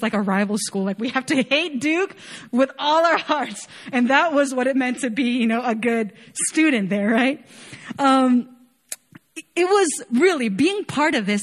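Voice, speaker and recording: A Chilean-raised young worship leader delivers a sermon that feels earnest and conversational, sprinkled with casual fillers. Her voice is a little high, and she speaks warmly yet plainly, sounding more like a chat than a pulpit address.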